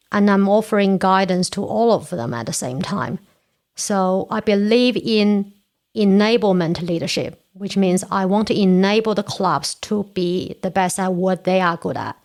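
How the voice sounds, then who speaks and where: Gravelly-voiced woman in her forties. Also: medium pitch. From China. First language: Korean. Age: 40s. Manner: earnest, explains step by step. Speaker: podcast guest, Toastmasters area director. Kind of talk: casual interview chat.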